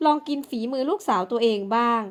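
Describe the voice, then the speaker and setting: A woman's voice: on the high side, quick pace, clear, resonant tone, close to an everyday voice. A woman voicing a wealthy middle-aged mother who gives firm, instructive advice. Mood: firm, motherly.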